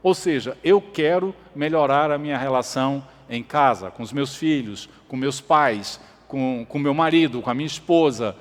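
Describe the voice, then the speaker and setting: A man's voice: medium pitch, moderate pace, hardly any pauses, long reverb tail. A man preaching a sermon as pastor, emphatic, repeating his points and asking the congregation questions. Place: church.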